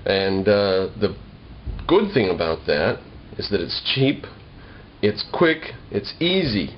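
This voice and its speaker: A man's voice: lowish voice, very animated, takes it slowly. A young American man talking casually to the camera in a wry, slightly formal way, explaining things in a homemade vlog. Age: young adult. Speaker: video blogger. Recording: dull lo-fi home video with noise.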